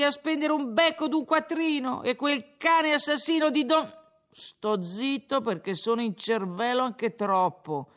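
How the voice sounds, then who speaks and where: A man voicing a drunk young peasant who rambles and boasts loudly in a tavern, his speech slurred. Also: extremely high pitch, voice pushed up, heavily acted.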